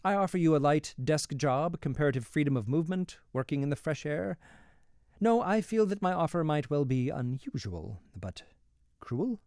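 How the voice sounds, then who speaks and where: A man acts out an urbane male ruler from a storybook in an American accent, close and dry in sound. He speaks in a measured, ironic way, polite on the surface and coolly threatening underneath. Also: fairly high pitch, sing-song, a little mellow, dry recording, pitched above the performer's own voice. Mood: calm menace. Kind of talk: storybook dialogue read aloud.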